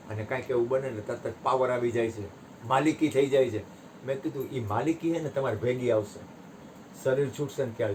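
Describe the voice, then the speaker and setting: A man leads a satsang, his voice sitting at an ordinary middle pitch. He tells parables with animated swings, jumping up loud and high, then sinking to quiet asides. A faint background hiss runs under the talk. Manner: animated storytelling, voice rising and dropping sharply. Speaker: spiritual teacher. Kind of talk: satsang discourse with storytelling.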